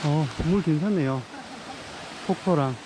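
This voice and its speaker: A man's voice: on the high side, unhurried, noisy background. Chatty young man vlogging outdoors. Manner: chatty, upbeat, gets excited outdoors. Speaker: travel vlogger. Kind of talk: casual travel vlog. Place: outdoors by a river and a jungle waterfall. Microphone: camera held at arm's length.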